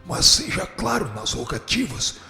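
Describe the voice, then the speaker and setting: A wrathful high priest of the spirit world in a radio drama. The voice is high and gravelly, haughty and threatening, with slow, archaic phrasing. It rings through a huge reverberant hall. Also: male voice, very animated, sharp tone, full character voice. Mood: grudging, stern. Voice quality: hoarse, gravelly. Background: music.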